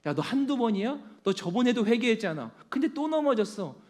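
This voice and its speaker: A man's voice: very high voice, sing-song, fairly quick, a little mellow. A man doing a sneering taunting devil. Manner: mocking, contemptuous jeering.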